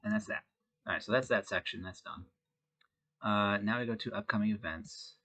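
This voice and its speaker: Congested low-voiced man coding aloud. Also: normal speed. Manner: relaxed, thinking aloud with many fillers. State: congested from a head cold. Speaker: web design instructor. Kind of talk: screen-recorded coding tutorial.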